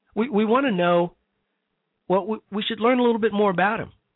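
A man with an American accent talks at a fairly quick pace, his high pitch showing ordinary variation.

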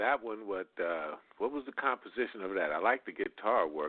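With an American accent, a man talks in an unremarkable speaking voice at a fairly low pitch. His intonation is lively and his pace fairly quick. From Texas. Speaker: radio show host. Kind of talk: interview.

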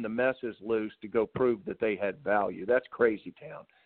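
This is a man with a plain, everyday voice. He talks at medium pitch and a moderate pace. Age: 60s. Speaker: addiction recovery center founder. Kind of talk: interview.

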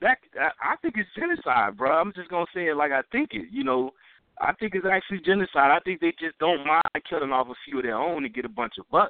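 Speaking at a very fast pace, a man uses a high pitch. His pitch swings very widely. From US South. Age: 40s. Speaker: social worker. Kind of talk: casual chat.

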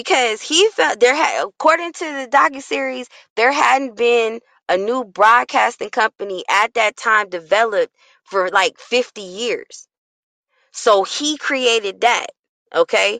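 Against a quiet background, a woman talks with a normal speaking voice. Her pitch is fairly high, her intonation lively, and her pace fairly slow. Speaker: podcast host reviewing a docuseries. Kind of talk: casual recap chat.

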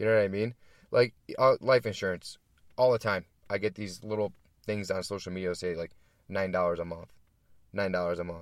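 A man with an American accent speaks at a fairly quick pace and fairly low pitch, with fairly even intonation and long, frequent pauses, in a very clean recording with a silent background. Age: 20s. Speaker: personal trainer. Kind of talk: casual chat.

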